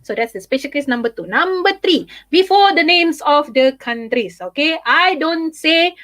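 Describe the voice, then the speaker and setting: A woman's voice: high-pitched, lively intonation, normal speed, fairly bright tone, no echo. A young Malaysian woman with a Malaysian English accent, tutoring a live online English class in a chatty way, dropping in Malay words and laughing often.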